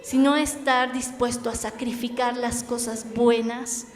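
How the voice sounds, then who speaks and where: A young woman with a Bolivian Spanish accent preaching a sermon in an earnest, emphatic way with dramatic pauses. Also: fairly high pitch, flat delivery. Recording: echoey hall with faint noise.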